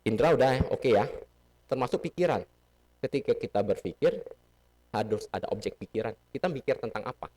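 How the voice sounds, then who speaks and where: A man's voice: medium pitch, animated, a little fast, a little mellow. A man giving a casual Buddhist sermon in a temple hall, teaching playfully and asking the audience questions. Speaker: Buddhist dharma speaker.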